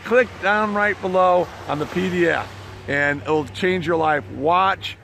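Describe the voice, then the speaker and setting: A man's voice: a little slow, creaky, fairly bright tone. A man hosting a casual promotional vlog with an enthusiastic, salesy manner, often repeating his phrases. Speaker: online business promoter and host. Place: outdoors beside the ocean. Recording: noisy outdoor recording with background rumble.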